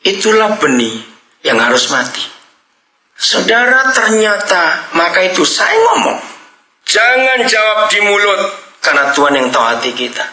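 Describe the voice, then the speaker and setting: An older man preaching a lively sermon, asking the congregation questions and often shouting and laughing. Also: high voice, measured pace. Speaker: pastor. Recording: echoey room.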